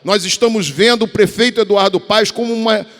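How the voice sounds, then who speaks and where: A man's voice: high-pitched, fairly quick, fairly bright tone. A man in his fifties with a Carioca accent from Rio de Janeiro, giving a formal speech as a state deputy, rambling and restarting his words. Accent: Carioca Portuguese. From Rio de Janeiro, Brazil. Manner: rambling, repeats and restarts words, addresses colleagues. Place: large legislative chamber. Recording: long reverb of a large hall.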